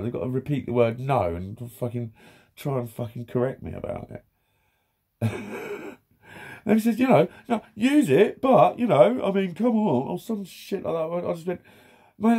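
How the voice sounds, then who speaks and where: A male vlogger with a slightly high, mellow, slightly rough voice tells a story in a casual rant, swearing constantly, laughing, and acting out what people said. He is filmed close up while lounging in a small room.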